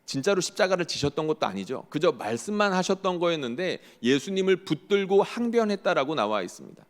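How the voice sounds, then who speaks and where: A fairly high-voiced man preaches a Sunday sermon from the pulpit, pressing his point with rhetorical questions. His voice rings out with a long reverberant tail in a church sanctuary. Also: sing-song, quick pace. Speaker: pastor.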